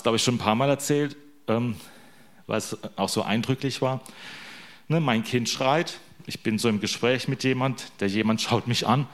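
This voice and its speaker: A man giving an informal sermon to his congregation. He is a father of young children who talks in a loose, joking way and keeps tagging his sentences with little questions to the listeners. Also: medium pitch. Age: young adult to middle-aged, a father. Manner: chatty, joking, constant tag questions. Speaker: preacher.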